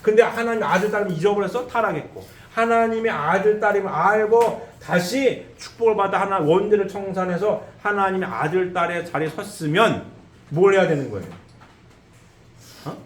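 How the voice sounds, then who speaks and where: A man's voice: high-pitched, normal speed. A man preaching a sermon in a church, asking his listeners rhetorical questions. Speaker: pastor. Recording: echoey room, faint background noise.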